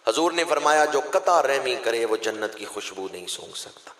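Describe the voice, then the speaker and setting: A man with a Pakistani Punjabi accent preaching a sermon, swinging between loud impassioned outbursts and quiet explanation. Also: mid-range voice, expressive, normal speed. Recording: echoey long reverb of a hall.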